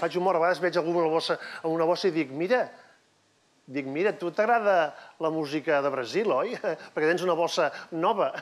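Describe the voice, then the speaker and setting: This man's voice sits high in pitch, with ordinary pitch variation and a fairly quick pace. Long pauses break up his speech often. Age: 50s. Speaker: comedian. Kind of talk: stand-up. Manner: animated. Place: stage. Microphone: lapel.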